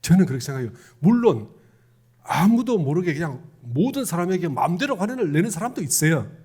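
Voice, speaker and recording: A middle-aged man preaches a sermon in a Gyeongsang accent, his slightly high voice rising and falling a great deal. The tone is husky, and he talks with the congregation as much as to it, often asking them questions. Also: sing-song, brisk, darkish tone. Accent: Gyeongsang Korean. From Gyeongsang province, Korea. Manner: conversational, asks the congregation questions. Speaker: Won Buddhist minister.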